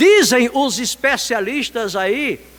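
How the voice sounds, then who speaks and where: The voice belongs to a man. He speaks in a raised, projected voice. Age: 60s. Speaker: pastor. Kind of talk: sermon. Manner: animated.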